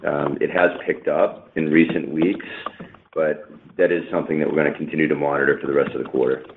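A man answering questions as a company executive on an earnings call, in a measured, careful manner with pauses. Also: extremely low pitch, flat delivery, a little hiss or hum. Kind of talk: unscripted corporate question-and-answer. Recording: narrow tinny phone conference line.

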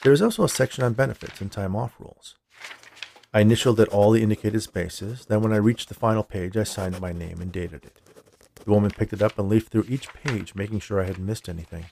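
A man's voice: fairly low pitch, a little fast, creaky, a little mellow, a little hiss or hum. A man reading scripted first-person fiction as a podcast narrator, close to the microphone. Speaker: writer, narrator and podcast host.

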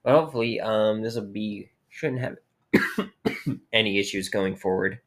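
A woman co-hosting a casual home podcast, reading out statistics haltingly with many fillers and swearing casually, her voice a bit worn. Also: extremely low pitch. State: losing her voice. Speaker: podcast co-host. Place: home, cats moving around.

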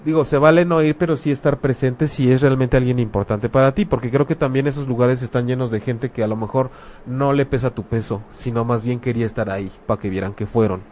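A man with a Mexican accent speaks in a relaxed, conversational way. His talk is frank and colloquial, full of slang and rhetorical questions, at a middle pitch. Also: a little fast, slight background noise. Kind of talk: casual talk about grief.

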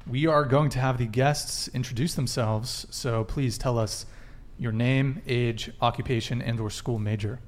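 A man's voice: mid-range voice, fairly even intonation, measured pace. A man hosting a casual panel talk show, speaking in an offhand, loosely organized way.

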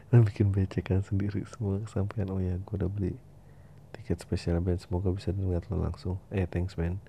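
A man hosting a podcast, reading listener emails aloud with informal, slangy asides and casual swearing. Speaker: podcast host. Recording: dull lo-fi audio with faint rumbling noise.

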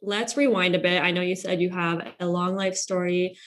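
A woman's voice: on the low side, level tone, moderate pace. Young woman host, full of "like". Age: young adult. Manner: filler-heavy, lots of "like". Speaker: podcast host. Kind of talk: casual chat.

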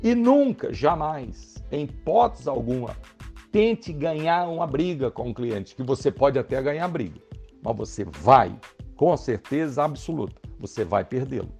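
Brazilian guy coaching sales teams, talks right at you, raspy fry in his voice. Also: mid-range voice, animated, unhurried, darkish tone, soft background music. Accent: Brazilian Portuguese. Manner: emphatic, addresses listeners directly. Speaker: sales trainer. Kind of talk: motivational sales training talk.

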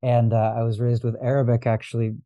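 A man's voice: mid-range voice, little pitch movement, quick pace, dry recording, dull audio. A man from Los Angeles, a guest on an astrology podcast, talking in a casual, reflective way with many restarts. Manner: reflective, rambling, frequent restarts and fillers. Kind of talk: casual conversational interview.

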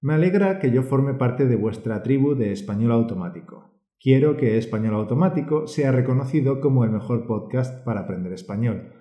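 A man co-hosting a language-learning podcast, speaking and reading aloud in a measured, encouraging teacher's way. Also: medium pitch, lively intonation, warm tone, echoey room. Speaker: podcast co-host.

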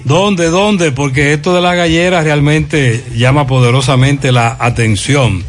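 Emphatic Dominican man, slightly high voice. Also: unhurried, faint music behind. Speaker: radio host. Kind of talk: opinionated talk radio commentary.

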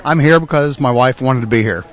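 A man's voice: mid-range voice, a little fast. Dry-humored male film critic. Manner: dry, joking. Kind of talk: interview answers.

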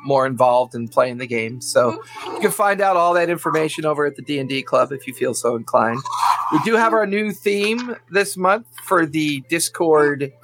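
A man's voice: a little high, lively intonation, normal speed, background noise. A man hosting a tabletop game show who gives casual announcements and rambles with frequent ums and uhs. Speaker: game master and host.

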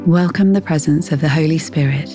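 A woman reading a scripted Christian devotional in a measured, earnest way. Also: deep voice, music in the background. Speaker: podcast host and devotional reader.

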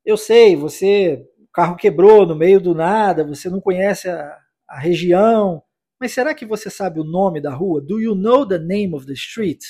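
Male podcast English teacher, high husky voice, patient explainer who drills phrases. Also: measured pace, warm tone. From United States. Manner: explanatory, repeats phrases for the listener to practise. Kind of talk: podcast language lesson.

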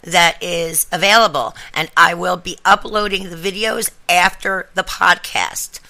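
Slow-paced woman podcaster with a bright voice. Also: on the low side, fairly even intonation, poor audio. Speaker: podcast host. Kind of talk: casual podcast talk addressed to listeners.

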